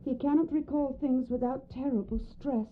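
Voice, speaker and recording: High-voiced, anxious young wife played by a woman. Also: steady tone, moderate pace, a little hiss or hum, close to an everyday voice. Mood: earnest, guarded. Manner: polite, earnest, troubled. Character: anxious, earnest, genteel young married woman. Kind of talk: radio drama acting. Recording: tinny, narrow band like phone line.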